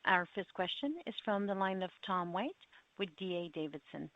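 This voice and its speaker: A woman's voice: lowish voice, moderate pace, fairly bright tone, no echo. A woman working as a conference call operator, reading scripted procedural instructions in a formal, courteous way over a phone line. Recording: dry, slightly dull call line.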